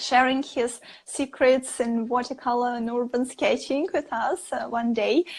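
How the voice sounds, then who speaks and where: A woman speaks in a Russian accent at a fairly slow pace. Her pitch is high and her intonation fairly even. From Russia, Saint Petersburg. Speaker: artist and online art teacher. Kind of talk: interview. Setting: Instagram live stream.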